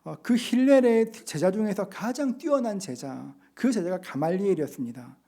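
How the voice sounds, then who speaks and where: Man preaching in a church, mellow tone, earnest, slow scripture readings. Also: high voice, expressive. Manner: earnest, slows to read scripture and act out quotes. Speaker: pastor. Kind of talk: sermon. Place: church sanctuary.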